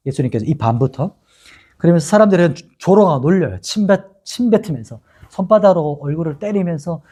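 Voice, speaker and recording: A middle-aged man from Korea's Gyeongsang region preaches a sermon and tells the story with lively swings of pitch. His voice is husky and mellow, and he acts out the lines of the people in the story. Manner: animated storytelling, acting out quoted lines. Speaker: pastor.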